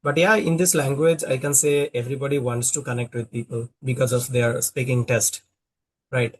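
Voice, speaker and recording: A man's voice: medium pitch, steady tone, normal speed. Bangladeshi man asking questions in practice chat. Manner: questioning, filler-heavy, restarts. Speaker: conversation partner, small YouTuber. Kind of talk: casual practice conversation.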